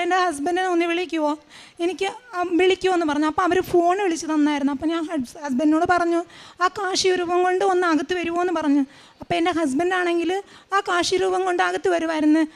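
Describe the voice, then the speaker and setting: A woman's voice: very high-pitched, vocal fry. A middle-aged woman giving an earnest personal faith testimony, retelling what others said to her. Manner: earnest, retelling events with many quoted lines. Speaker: testimony speaker.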